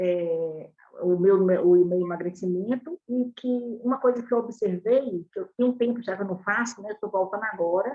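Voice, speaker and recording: A woman speaks at a moderate pace with hardly any pauses, her medium-pitched voice showing ordinary pitch variation. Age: 60s. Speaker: participant giving a testimony. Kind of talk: testimony. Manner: halting.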